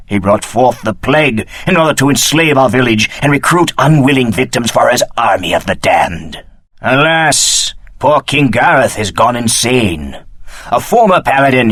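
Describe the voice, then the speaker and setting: A man voicing a solemn, apologetic village holy man in a fantasy video game, telling of his land in formal, measured phrases. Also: medium pitch, fairly bright tone, dry recording, clean studio sound. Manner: formal, grave, measured storytelling.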